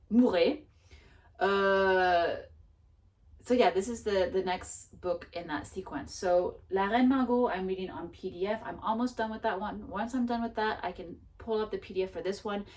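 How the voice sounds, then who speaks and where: A woman's voice: medium pitch, a little mellow. Woman, book vlogger, casual chat, self-mocking, slightly distant mic. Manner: chatty and self-mocking, with many restarts and laughs.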